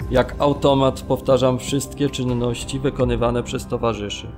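A male actor plays a man held in a brutal camp, bearing witness in a radio play. His voice sits at a medium pitch as he recounts his ordeal. Faint music runs underneath. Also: level tone, moderate pace, a little mellow, lightly acted. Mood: grim, harrowed. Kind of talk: dramatised documentary narration of survivor testimony.

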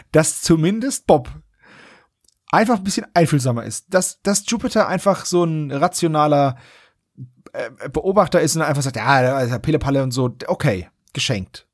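Casual male podcast host, slightly high-pitched, colloquial recapper with mock outrage, dry studio-like sound. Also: dry recording. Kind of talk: casual chat, recapping and commenting on an audio drama.

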